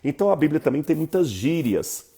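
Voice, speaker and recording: A man with a Brazilian Portuguese accent giving an informal Bible lesson, lecturing in a lively, conversational way with asides to his viewers. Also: on the high side, fairly quick, breathy edge. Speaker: Bible teacher.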